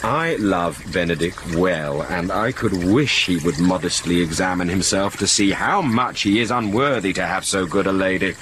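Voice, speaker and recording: A man's voice: low-pitched, moderate pace, few pauses, a bit bright, low-quality recording. A man reading the part of a playful, scheming prince, with a theatrical, sweeping delivery. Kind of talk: amateur reading of a classic comedy. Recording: clear background noise.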